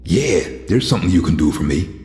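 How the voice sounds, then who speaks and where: Deep, sardonic tough antihero. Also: male voice, animated, fairly quick, darkish tone. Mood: menacing scorn. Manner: sardonic, taunting, plain-spoken. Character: gruff, tough, cynical male antihero with shadow powers. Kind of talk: video game drama acting. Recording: echoey hall reverb.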